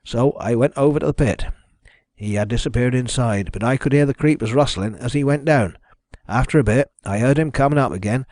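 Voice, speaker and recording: A shaken village constable voiced by a male narrator reports in a plain, urgent, respectful way. The voice is mid-pitched and closely recorded, suited to an old detective storybook. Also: a little mellow, dry recording, lightly acted. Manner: urgent, deferential, plain-spoken.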